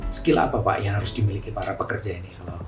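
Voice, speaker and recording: A man hosting an interview, attentive and quick to agree, asking questions in a conversational tone. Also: sits low. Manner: attentive, frequent short agreeing replies. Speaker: interview host. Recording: roomy, distant mic with music behind.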